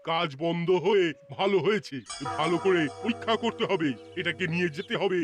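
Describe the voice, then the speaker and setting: A man's voice: high-pitched, a little fast, natural voice. A man voicing a mild school headmaster in a cartoon, earnest and polite. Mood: businesslike.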